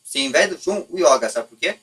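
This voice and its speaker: A man's voice: a little high, expressive, quick pace, fairly bright tone, recorded from a distance. Blunt Brazilian man, slightly off-mic. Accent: Brazilian Portuguese. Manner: blunt, colloquial, lightly profane. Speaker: YouTube host. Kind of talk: unscripted opinion vlog, casual commentary.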